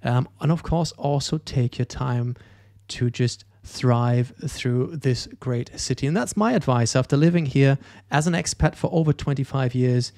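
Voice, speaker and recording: A man's voice: medium pitch, unhurried, gravelly, warm tone, dry recording, studio quality. A middle-aged man co-hosting a morning show, chatting casually and upbeat while recommending events. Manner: upbeat, promotional. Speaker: co-host and moderator.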